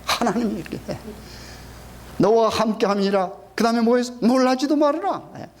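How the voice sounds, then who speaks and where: A man's voice: very high-pitched, moderate pace. A middle-aged male pastor preaching a sermon, quizzing the congregation with frequent questions and emphatic repetition. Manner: call-and-response questioning, emphatic. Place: church sanctuary.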